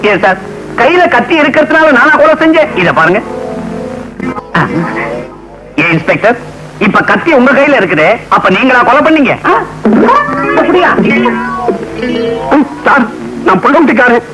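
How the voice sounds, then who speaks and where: A pompous, bumbling self-styled detective. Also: male voice, very high voice, big pitch swings, poor audio. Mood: pleading. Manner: mixes Tamil with slow, pompous English. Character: boastful, bumbling man who calls himself a London detective. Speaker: visitor from abroad wrongly accused of murder. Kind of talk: film comedy acting. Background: film music.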